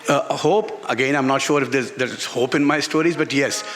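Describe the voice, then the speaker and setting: A man with a Pakistani accent, his voice medium-pitched and a bit bright, answers questions at normal speed during a live book talk. He is an author and journalist being interviewed on a literary festival stage in a garden venue, and he often stops to repeat words and phrases for emphasis.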